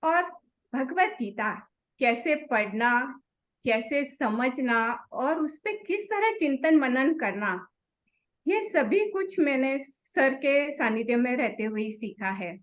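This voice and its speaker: Earnest, high-voiced woman thanking her teacher. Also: animated, slow. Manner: earnest, grateful. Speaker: student and co-presenter. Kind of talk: spoken tribute to a teacher.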